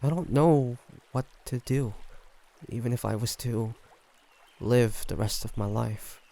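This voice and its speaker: A man voicing a brooding, gentle ancient vampire in an intimate audio roleplay, speaking haltingly and pensively. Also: mid-range voice, vocal fry. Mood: sorrowful, resigned. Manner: halting, soft-spoken, pensive with sighs.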